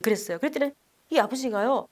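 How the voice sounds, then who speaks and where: A woman, a Catholic nun, teaching a Bible class through an animated story. She acts out the people in it and asks her listeners questions. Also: fairly high pitch, quick pace. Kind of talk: lively storytelling lecture.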